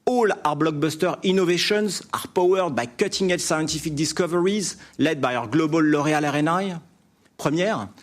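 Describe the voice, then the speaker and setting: A man delivering a formal, prepared business presentation as a company executive, in measured scripted phrases. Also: on the high side. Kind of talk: prepared earnings presentation speech.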